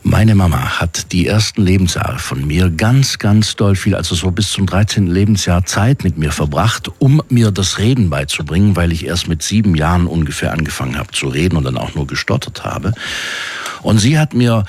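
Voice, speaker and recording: A man's voice: low-pitched, animated, normal speed, a little mellow, breathy edge. A man hosting a radio call-in show from the studio, chatty and upbeat, often tagging questions with a friendly "gell?". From Swabia, Germany. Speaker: radio host. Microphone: studio microphone.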